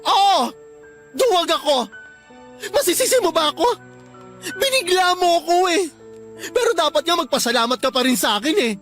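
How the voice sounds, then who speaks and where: High-voiced, effeminate Filipino gay young father. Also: animated, normal speed, long pauses, a bit bright, faint music behind. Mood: defensive outburst. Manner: theatrical, indignant, dismissive. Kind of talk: Filipino radio drama acting.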